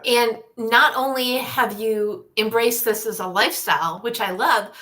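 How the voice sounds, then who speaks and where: A woman's voice: a little high, unhurried, pushed and bright. A woman hosting a panel chat, affirming and lightly teasing her guest. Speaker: host.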